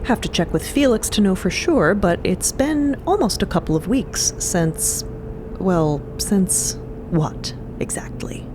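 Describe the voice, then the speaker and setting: A woman's voice: mid-range voice, animated, a little slow, background noise. A woman narrating a story podcast atmospherically, with wry, conversational asides. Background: music.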